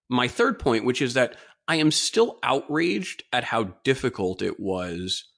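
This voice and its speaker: A man's voice: medium pitch, a bit bright. A man with a slightly stuffy, congested nose, hosting a solo opinion podcast in an informal, opinionated, emphatic way. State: mild nasal congestion from a cold-like illness. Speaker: podcast host.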